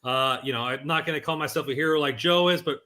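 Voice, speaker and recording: Male podcast host, higher pitch, bright tone, upbeat hype delivery. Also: fast talker. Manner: energetic, hype-building. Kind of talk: casual podcast chat.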